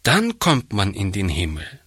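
A man's voice: low voice, wildly swooping pitch, a little slow, a bit bright, slightly rough, no room sound, clean studio sound, exaggerated voice. A man reading a storybook aloud, voicing an earnest, pious little girl who pleads eagerly. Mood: pleading, eager. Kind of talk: audiobook reading.

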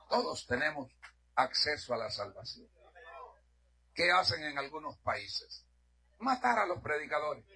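High bright-voiced preacher guy from honduras, fired up, yelling then going all quiet in church. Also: husky, poor audio. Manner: fervent, swings from shouting to hushed asides. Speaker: pastor. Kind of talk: sermon.

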